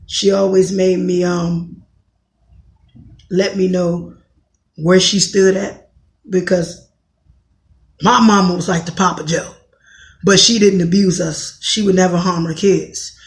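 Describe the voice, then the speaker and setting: A woman in her thirties from Washington, D.C., with a raspy voice, talking bluntly in a rambling podcast monologue and often correcting herself. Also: fairly low pitch, steady tone, takes it slowly, long pauses, echoey room. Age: 30s. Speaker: podcast host. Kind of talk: casual monologue commentary.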